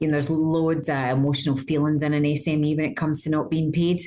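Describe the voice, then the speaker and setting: A woman's very deep, low voice, dark and mellow in tone, very fast, with a slight Scottish accent. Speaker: company founder and CEO. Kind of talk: interview. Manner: animated.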